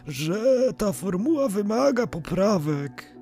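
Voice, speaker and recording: A man plays a government spokesman in an audio drama, high in pitch and slow to get his words out. He is timid, pleading and deferential, with faint music behind him. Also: big pitch swings, darkish tone, heavily acted. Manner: halting, drawn-out hesitant openings. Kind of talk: audio drama character acting.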